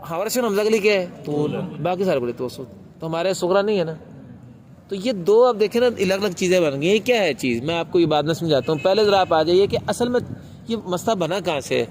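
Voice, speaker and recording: A man's voice: sits high, lively intonation, a little mellow. A man teaching a class on the rules of Quran recitation, asking his students questions and answering them himself. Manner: briefly chants a recitation demonstration.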